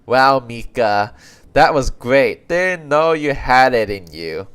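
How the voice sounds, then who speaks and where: A man from Canada who comments casually while streaming a video game. He talks haltingly, restarts his sentences often, and chuckles. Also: mid-range voice, animated, a bit bright, clear, resonant tone. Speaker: livestreamer.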